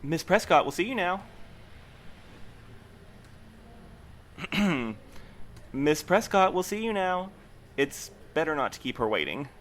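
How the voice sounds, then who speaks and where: A man playing a guarded postmaster in an audio drama, speaking in a measured, formal and evasive way. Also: fairly high pitch, very animated, a bit bright, a little hiss or hum. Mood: officious. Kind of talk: audio fiction acting.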